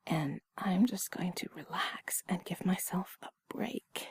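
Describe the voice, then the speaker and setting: Soft breathy woman, intimate whispered role-play. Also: lowish voice. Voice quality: breathy, husky. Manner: soothing, intimate, unhurried conversational musing. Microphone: close microphone, dry sound.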